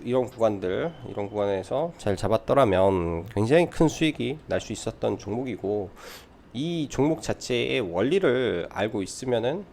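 Male trading adviser for a live market recap: explanatory, animated intonation, noticeable vocal fry. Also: fairly low pitch, a little hiss or hum. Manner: explanatory, poses questions then answers them.

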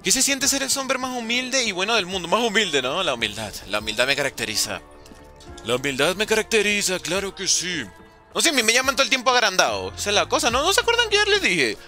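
A man streams a game and jokes with his chat in a high, bouncy voice that leaps up and down as he talks. His tone is playful and teasing, and music plays clearly behind him. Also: big pitch swings, fast, sharp tone. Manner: joking, teasing chat with slang. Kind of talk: casual live-stream chat while gaming.

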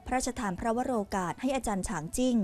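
A woman news narrator reading a scripted royal news report in a formal, measured way. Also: fairly high pitch. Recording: voice-over with soft music underneath. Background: faint music.

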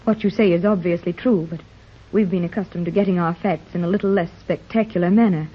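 A genteel, anxious mother on a long search, earnest and polite. Her voice is slightly breathy at a middling pitch. It is heard through a dull, lo-fi 1930s radio recording. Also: fairly even intonation, fast. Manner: earnest and polite, easily startled. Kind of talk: 1930s radio drama acting.

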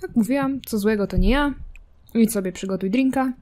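A woman's voice: a little high, a little fast, dark tone. A woman casually commenting while playing a life simulation game, chatty and teasing, talking to her characters and their cat. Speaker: gameplay streamer.

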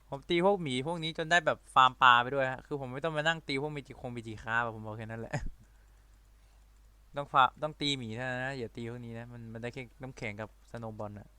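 A bright, crisp male voice rattling off gameplay commentary in quick breathless bursts, playful and quick to exclaim. The sound is dry and close, with no room around it. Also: mid-range voice, dry recording. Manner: rapid-fire talker who admits he talks too fast and runs out of breath; excitable, playful, loud exclamations. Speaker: gaming video creator. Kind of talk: excited let's-play commentary.

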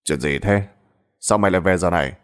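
A man's voice: deep voice, a little fast, natural voice. A man voicing a harsh middle-aged farmer father who barks and curses at his family. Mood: gruff. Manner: shouting, cursing, gruff.

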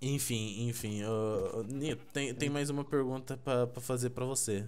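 A man's voice: mid-range voice, steady tone, normal speed, crowd noise. A young Brazilian man hosting a gameplay video, teasing his friend in rambling casual chat full of fillers. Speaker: gaming YouTuber.

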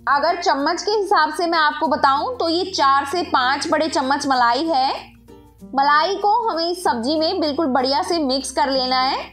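A woman's voice: high voice, normal speed, a bit bright, faint music behind. A woman hosting a cooking channel, narrating a recipe step by step and speaking directly to her viewers. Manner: instructive, addresses viewers directly.

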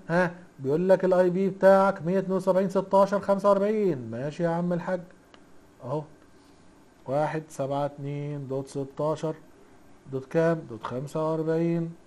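A man with an Egyptian accent teaches a casual recorded IT lesson, chatty and teasing as he keeps quizzing the class with rhetorical questions. His voice is on the high side with a darkish tone.

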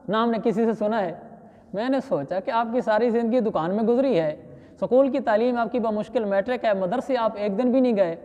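A man's voice: sits high, darkish tone. Male religious scholar, lecture delivery with recited verses and anecdotes; long hall reverb. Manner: storytelling with Arabic recitation and quoted dialogue. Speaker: Islamic scholar giving Quran commentary. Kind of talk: Quran commentary lecture.

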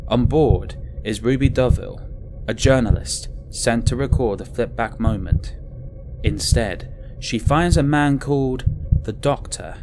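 A man reading an audiobook in a measured, dramatic manner. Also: medium pitch, rough recording. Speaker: audiobook narrator. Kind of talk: scripted audiobook narration.

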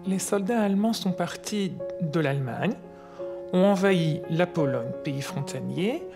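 A woman's voice: fairly low pitch, animated, measured pace, gravelly. A woman as an older, patient grandmother explaining history to a child in a storytelling way. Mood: patient, explanatory. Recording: music under the voice.

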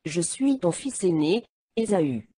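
A woman reading the lines of a bitter elder son, a hunter, in a calm, measured way. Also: lowish voice, breathy edge, exaggerated voice.

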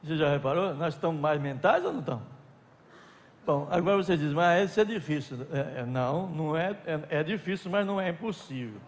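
A Brazilian pastor preaches in a high, lively voice that leaps up and drops back down. He swings between loud outbursts and soft asides, stretching words for effect. Long reverb from a large hall trails each phrase. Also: a little fast. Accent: Brazilian Portuguese. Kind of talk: sermon.

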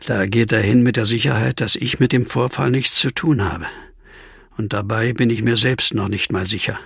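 A man acting in a German audio drama as an earnest, troubled former asylum inmate with a husky, gravelly voice. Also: fairly low pitch, steady tone, moderate pace, fairly bright tone, no echo, studio quality, heavily acted. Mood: uneasy.

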